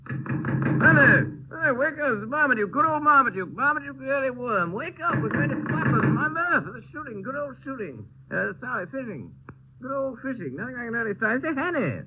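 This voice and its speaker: A man's voice: high-pitched, huge pitch swings, moderate pace, pauses often, over music, heavily acted. An actor playing a drunk, rambling Englishman, slurring and singsong. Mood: tipsy. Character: drunk upper-class Englishman, rambling and silly. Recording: tinny old film soundtrack.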